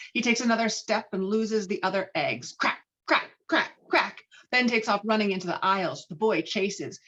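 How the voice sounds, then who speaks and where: A woman's voice: medium pitch, a bit bright. A woman reading stage directions as the narrator of a dramatic script table read. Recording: dull, lo-fi call audio.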